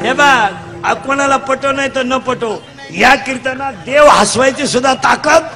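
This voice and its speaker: A middle-aged man from Maharashtra delivering a comic devotional sermon. He tells stories fast, acts out the characters and shouts the punchlines. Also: very high-pitched, over loud music, a loud crowd. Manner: rapid storytelling, acting out characters, shouting punchlines. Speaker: kirtan preacher.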